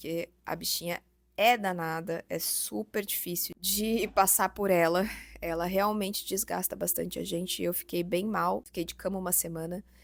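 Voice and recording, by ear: Hoarse and in a put-on character voice, a woman speaks at a moderate pace with a medium pitch in a very clean recording with a silent background.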